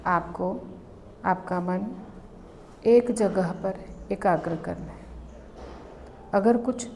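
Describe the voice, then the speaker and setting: A woman guides a meditation very slowly, with a mid-range pitch. She gives calm instructions in short phrases and leaves long pauses between them. There is some background noise in the recording. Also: vocal fry.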